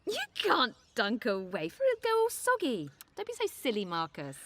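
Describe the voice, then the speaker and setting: A woman's voice: a little high, huge pitch swings, normal speed, fairly bright tone, no room sound, full character voice. A woman playing a fussy, bossy but fond older wife in a cartoon, correcting people.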